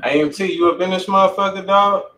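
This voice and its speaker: Higher-voiced American man, echoey and distant. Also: fairly even intonation, fast, pushed and bright. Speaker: co-host of music review stream. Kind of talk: casual slangy banter. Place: home studio room, indoors. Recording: echoey, distant, slightly noisy room.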